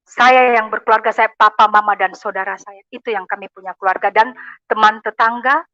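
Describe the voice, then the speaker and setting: High, bright-voiced woman giving fervent church testimony. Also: fairly even intonation, fairly quick, dry recording. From Makassar, Indonesia. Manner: fervent, addresses listeners as brothers and sisters. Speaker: testimony speaker. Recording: dull, lo-fi, dry.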